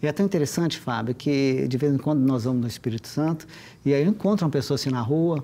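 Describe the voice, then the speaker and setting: A man talks at a fairly quick pace in a dark, mellow, fairly high voice with ordinary pitch variation. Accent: Minas Gerais. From Minas Gerais, Brazil. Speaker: doctor. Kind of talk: interview.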